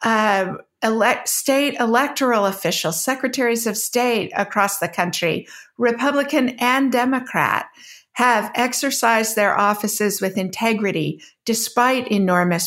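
A woman uses a normal speaking voice at a fairly high pitch and a moderate pace. Her loudness stays very even on a very clean recording with a silent background. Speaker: policy expert and debater. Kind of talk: formal debate.

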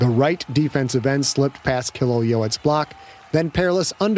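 This recording is plain reading aloud.

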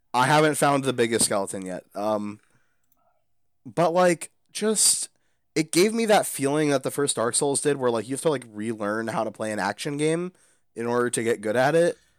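In a dry, close recording with no echo, a man speaks in a plain, everyday voice at medium pitch, with lively intonation and a moderate pace. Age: 20s. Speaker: podcast co-host. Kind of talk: casual chat.

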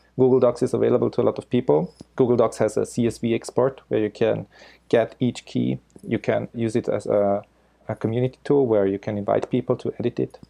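A man talks at a fairly quick pace. He has an Austrian accent. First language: German. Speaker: software developer. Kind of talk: technical panel discussion. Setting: remote call from Japan.

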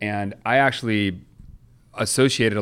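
A man's fairly low voice on a very clean recording with a silent background. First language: Portuguese. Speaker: creative officer. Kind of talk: interview.

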